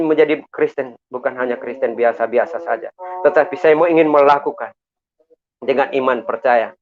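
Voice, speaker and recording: A middle-aged man from Makassar giving an earnest, preacherly church testimony, often calling out to his listeners. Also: medium pitch. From Makassar, Indonesia. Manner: earnest, preacherly, repeatedly addresses listeners as brothers. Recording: tinny phone-like sound.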